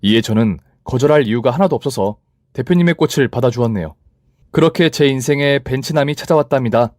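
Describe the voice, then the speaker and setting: A man's voice: medium pitch, darkish tone, no echo, studio quality. A man reading a first-person story narration told in a woman's voice.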